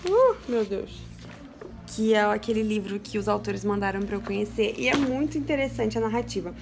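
Young woman from Brazil, casual vlog host, chatty and emotional, gravelly fry, recorded at home. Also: mid-range voice, expressive, moderate pace, over music. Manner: chatty, emotional, laughs and cries with joy. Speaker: book vlogger. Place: home, her bedroom.

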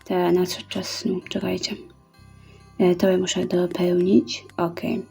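A woman gives relaxed let's-play commentary in a warm, mellow voice. She chats as she goes, reading orders aloud and counting out each step. Quiet game music runs underneath. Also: fairly low pitch, measured pace, gravelly. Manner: chatty, reads orders aloud and counts out steps. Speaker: gaming YouTuber.

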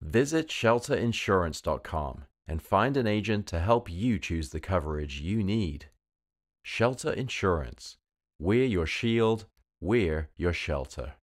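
Low-pitched British man reading commercials. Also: expressive, unhurried. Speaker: voice-over artist. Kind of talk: polished commercial voice-over.

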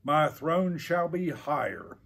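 Storybook turtle king a male reader: tyrannical, boastful, bellowing, slow and grandiose, slightly husky. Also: a little high, big pitch swings, a bit bright, exaggerated voice. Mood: imperious, loud.

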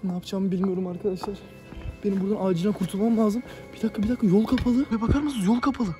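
A young man hosting a night-time horror vlog outdoors, excitable and panicky, often shouting and speaking straight to his viewers. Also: high-pitched, rapid-fire, over music. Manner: keeps addressing viewers as friends. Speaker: YouTuber host.

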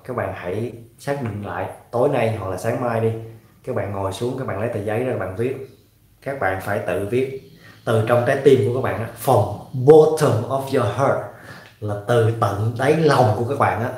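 A man with a Southern Vietnamese accent speaks quickly in a motivational talk, coaching viewers on learning English. He is emphatic and repeats phrases to drive each point home. The recording is echoey, as if made in a bare room. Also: fairly low pitch, darkish tone.

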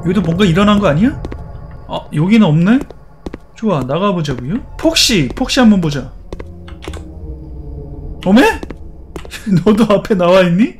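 A man's voice: sits high, expressive, moderate pace, pauses often, faint music behind. A man playing a horror game and commenting, teasing the characters in playful chatter. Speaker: gaming YouTuber.

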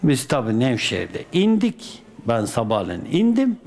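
A man from Turkey, a dervish, telling a personal anecdote in a colloquial, lively way with folk sayings. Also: medium pitch, unhurried. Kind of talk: casual spoken anecdote.

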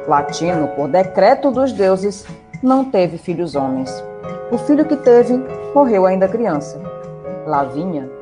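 Woman, Brazilian accent, playful storytelling narration, expressive pitch, medium voice, prominent musical backing. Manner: wry, playful asides. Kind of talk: humorous scripted narration. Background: music with guitar.

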